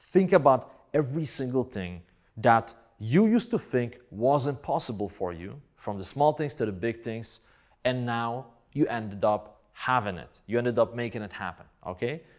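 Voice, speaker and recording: Recorded very cleanly against a silent background, a man with a Polish accent speaks at a moderate pace and a medium pitch, with lively intonation and big swings in loudness. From Poland. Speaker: motivational speaker. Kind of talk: motivational talk. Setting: video shoot with film crew.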